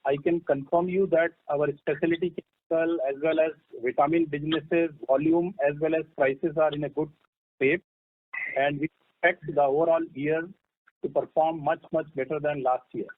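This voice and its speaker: A man with an Indian accent, a company executive giving measured answers to analysts on a conference call. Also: on the high side, fairly even intonation, no room sound. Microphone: phone conference line. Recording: narrowband phone conference line.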